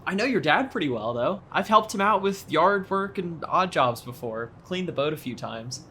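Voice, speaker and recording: A young small-town local, played by an actor in an audio drama, friendly but worried. The voice is mid-pitched and moves up and down a lot in earnest, conversational speech. There is ambient noise faintly behind it. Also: expressive, normal speed, a bit bright, close to an everyday voice. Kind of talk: naturalistic audio drama acting.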